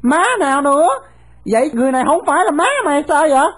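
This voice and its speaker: A woman with a high voice, pushed upward and lightly acted, plays a bold, cheeky young boy. The character is brash and fearless, mouthy and quick to talk back.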